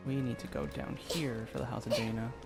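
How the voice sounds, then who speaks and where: A man's voice: mid-range voice, level tone, brisk, creaky. Musing male game streamer over music. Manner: musing, thinking aloud. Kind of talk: casual live gameplay commentary. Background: video game music.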